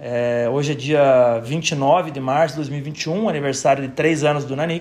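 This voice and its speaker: With noticeable background noise and audible room echo, a man talks at a fairly slow pace in a fairly high pitch with fairly even intonation. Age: 30s. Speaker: entrepreneur. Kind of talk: personal storytelling monologue. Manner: casual.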